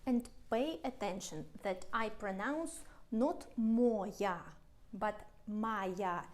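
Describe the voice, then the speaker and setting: A woman teaching a language lesson, spelling out and repeating words slowly for beginners. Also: mid-range voice. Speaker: Russian teacher.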